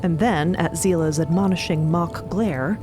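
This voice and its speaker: A woman's voice: fairly low pitch, unhurried. Woman narrating audio drama over music. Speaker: narrator and voice actor. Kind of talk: scripted audio drama narration with playful character dialogue. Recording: music behind.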